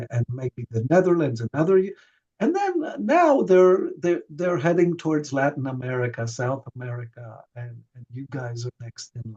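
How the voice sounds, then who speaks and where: Speaking at a moderate pace, a man has a fairly high pitch, a somewhat breathy, dark and mellow tone, and a dry, close sound with no echo. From Israel. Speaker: professor. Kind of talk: lecture.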